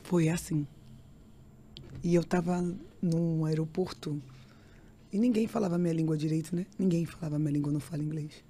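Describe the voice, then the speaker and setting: Lowish-voiced woman telling her story. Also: steady tone, a little fast, dark tone, a little hiss or hum. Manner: repeats phrases, acts out others' voices in the story. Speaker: podcast guest. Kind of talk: emotional faith testimony.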